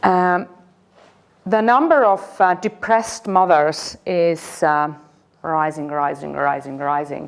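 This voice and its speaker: Very slow speech in an Estonian accent, recorded very cleanly against a silent background. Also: woman, fairly low pitch for a woman, lively intonation. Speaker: politician. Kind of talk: conference talk. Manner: halting.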